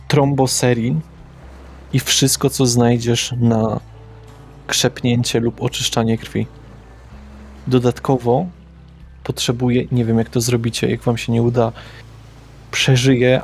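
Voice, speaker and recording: Husky, gravelly man roleplaying. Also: mid-range voice. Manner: casual, rambling with restarts. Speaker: player. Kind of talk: in-character roleplay chat.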